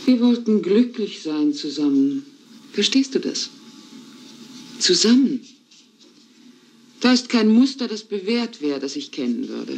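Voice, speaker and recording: An actress playing a wounded, self-dramatizing woman in film melodrama, with a hammy, theatrical stage delivery and drawn-out words. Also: mid-range voice, very animated, darkish tone. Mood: anguished, wistful. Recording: noisy old film soundtrack.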